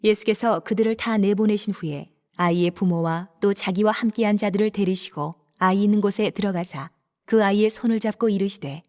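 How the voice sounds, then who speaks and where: Mellow woman narrating scripture. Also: medium pitch. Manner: steady, measured reading.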